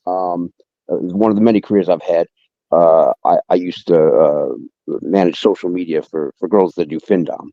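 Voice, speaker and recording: In casual chat, a man speaks in a low, steady voice at a moderate pace, making emphatic appeals while often repeating himself and stammering over words. The recording has no echo and its highs are cut off.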